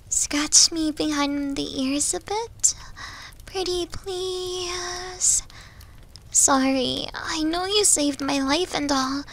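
Woman voicing a high, timid, devoted wolf girl. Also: heavily acted. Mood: shy, pleading. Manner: hesitant, breathy, pleading, softly spoken. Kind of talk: ASMR roleplay monologue.

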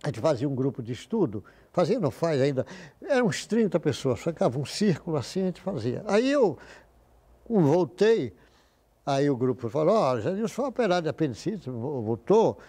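A man's voice: a little high, sing-song, moderate pace, warm tone, breathy edge. An older man casually telling stories from his work as a doctor in an interview, acting out the voices of people in them. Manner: anecdotal, acts out quoted voices.

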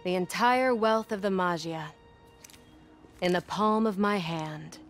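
Sly Black Cat, cool and teasing. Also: female voice, on the low side, slow pace, faint music behind. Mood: smug, teasing. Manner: teasing, cool, self-assured. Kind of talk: cinematic game voice acting.

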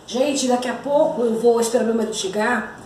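A woman's voice: on the high side, a little fast, a little mellow, slight background noise. A woman in her fifties with a Brazilian accent, a grandmother chatting casually to her viewers in a home vlog, often calling out to them and using fond diminutives. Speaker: vlogger and grandmother. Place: home kitchen and living room, indoors. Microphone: phone camera held at arm's length. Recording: echoey home room.

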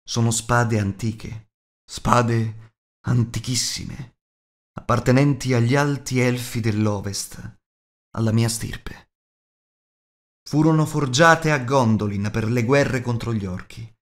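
A man reading the part of a noble, wise elf lord in a storybook, with measured, solemn delivery. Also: medium pitch, close to an everyday voice. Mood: solemn, instructive.

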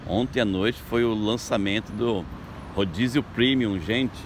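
A chatty man talks straight to his viewers in an upbeat, casual way, his voice sitting a little low. He is recorded outdoors on a phone by a seaside boardwalk, and passing traffic and street noise come through clearly behind him. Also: unhurried. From Brazil. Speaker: local tour guide vlogger. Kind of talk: casual vlog narration. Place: beach boardwalk outdoors at sunrise.

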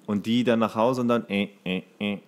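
A man's voice: fairly low pitch, steady tone, normal speed. A man in a casual podcast chat, co-hosting and asking question after question in an inquisitive way. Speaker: podcast co-host.

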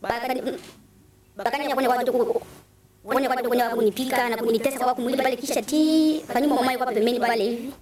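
Woman witness, fast and stammering, echoey room from afar, crowd behind. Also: on the high side, steady tone, recorded from a distance. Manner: rapid, stammering, distressed. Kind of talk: testimony.

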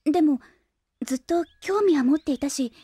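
An actress playing a determined, prickly young engineer and little sister in an audio drama, brisk, stubborn and easily exasperated. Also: female voice, sits high, dark tone, no room sound, close to an everyday voice. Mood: resolute. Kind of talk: Japanese audio drama acting.

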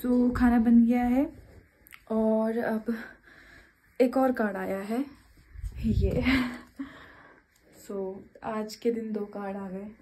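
Brief: young woman from Uttarakhand, everyday vlogger, slightly high voice, chatty and casual, faint background hum. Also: level tone, drawn-out words, long pauses. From Uttarakhand, India. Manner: chatty, loud outdoors, soft and subdued at home. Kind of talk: casual daily vlog. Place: streets, office and home, in and out of doors.

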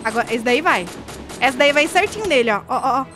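A young woman with a Brazilian Portuguese accent, chatting excitedly through a gameplay video with frequent squeals and exclamations. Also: high voice, fast talker. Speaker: gaming YouTuber. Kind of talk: casual gameplay commentary. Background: game music and sound effects.

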